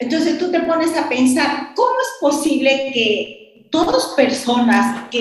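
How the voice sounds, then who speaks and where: The speech moves at a fairly slow pace with lively intonation. Noticeable background noise and audible room echo fill the recording. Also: woman. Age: 50s. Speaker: psychology student. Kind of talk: casual chat.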